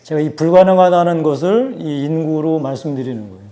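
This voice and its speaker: A man in his forties giving a book talk, explaining numbers in a measured way with frequent hesitations. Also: on the high side, mellow. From South Korea. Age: 40s. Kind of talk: lecture-style talk with statistics.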